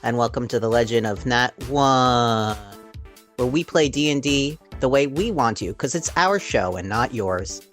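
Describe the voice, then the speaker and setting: A man's voice: medium pitch, animated, unhurried, fairly bright tone. A man chatting casually as a player on a tabletop gaming podcast. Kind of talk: casual chat. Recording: clear music behind the voice. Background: music.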